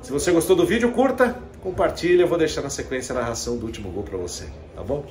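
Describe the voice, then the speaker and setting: A man's voice: a little high, animated, fast, a little mellow, a little hiss or hum. A man with a Brazilian accent giving a casual, conversational and emphatic post-match recap as a football commentator, recorded in a stadium. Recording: echoey stadium with crowd behind.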